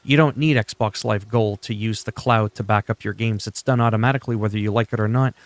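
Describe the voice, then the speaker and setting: A French-native man chats with viewers during a gaming livestream, opinionated, talkative and responding to chat while he plays. His voice is on the low side, steady in tone and fairly quick, with no room sound.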